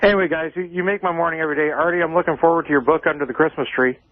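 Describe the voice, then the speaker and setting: Thin phone line, man, caller, brisk casual speech, slightly high pitch. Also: fairly even intonation.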